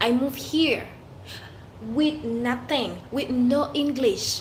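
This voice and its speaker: Her high-pitched voice carries a strong non-native accent and ordinary pitch variation. Audible room echo surrounds the woman as she speaks. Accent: strong foreign. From Haiti. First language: Haitian Creole. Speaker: motivational vlogger. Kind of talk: livestream monologue. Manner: impassioned.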